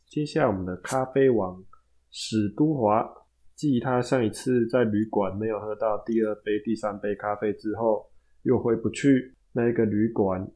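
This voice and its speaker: A man with a Taiwanese Mandarin accent hosts a storytelling podcast in a mellow, lowish voice. He narrates casually, dropping chatty asides to his listeners.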